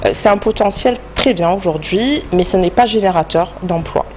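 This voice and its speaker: In this studio interview, a human resources director from France, speaking with a French accent, gives structured, explanatory answers as the guest expert. Her voice is on the low side and darkish, her pace moderate, with a little hiss or hum in the audio.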